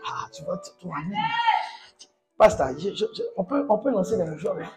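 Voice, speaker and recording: A man preaching a sermon as pastor, exhorting the congregation with call-and-response and bursting into loud exclamations. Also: sits high, animated, fairly quick, creaky, loud music behind the voice.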